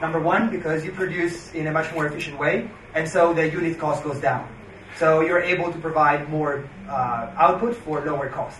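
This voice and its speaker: Speech comes at a moderate pace with fairly even intonation. There is light background noise and audible room echo. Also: man. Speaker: tech startup founder; panelist. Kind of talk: panel discussion. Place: hall.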